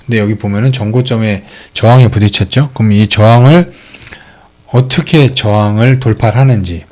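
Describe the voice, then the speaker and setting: A man's voice: on the low side, normal speed, darkish tone. A middle-aged man hosting a stock channel, talking casually through charts step by step with lots of fillers. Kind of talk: casual stock market commentary.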